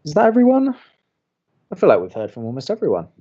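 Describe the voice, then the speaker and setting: Dry, awkward young co-host. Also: male voice, fairly high pitch, wildly swooping pitch, fast, mellow, dull audio. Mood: hesitant. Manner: dry, hesitant. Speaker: college radio co-host character. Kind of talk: audio drama acting.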